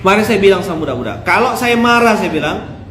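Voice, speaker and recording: A man preaching with a Pontianak Malay accent, his voice fairly high and full of play as he jokes and acts out little scenes. The sound rings in an echoey hall. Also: quick pace. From Indonesia. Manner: joking, animated, acts out voices of husbands and fathers. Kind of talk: lively sermon.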